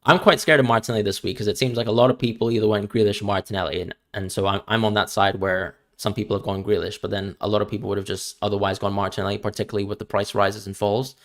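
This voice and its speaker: A man's voice: lowish voice, steady tone, fast talker, hardly any pauses. A young man from Hong Kong with an international school accent, chatting casually on a live stream and answering viewers' questions, often stumbling over repeated words. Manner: chatty, repeats words when starting sentences.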